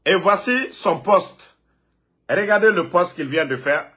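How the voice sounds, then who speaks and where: A man's voice: sits high, animated, unhurried, sharp tone. A man from Guinea, ranting and scolding a rival on a live phone video, repeating himself. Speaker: political online commentator.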